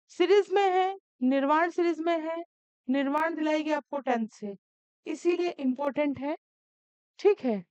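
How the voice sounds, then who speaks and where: A woman's voice: sits high, a little mellow, dry recording, muffled recording. A woman teaching an exam-prep lesson, calling her students "beta" as she coaxes and scolds them.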